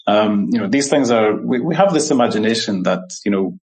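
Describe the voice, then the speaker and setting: A man's voice: fairly low pitch, lively intonation, a little fast, darkish tone. A middle-aged man from Scotland, an academic guest talking things through thoughtfully in an interview, with frequent fillers and restarts. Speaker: scholar and translator, interview guest. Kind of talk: reflective interview conversation.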